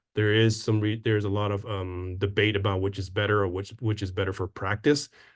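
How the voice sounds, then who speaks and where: This man talks at a fairly quick pace with an American accent. His pitch is fairly low and his intonation monotone and flat. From United States, Vietnamese Chinese American. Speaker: education researcher, presenter. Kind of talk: webinar presentation. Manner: fast.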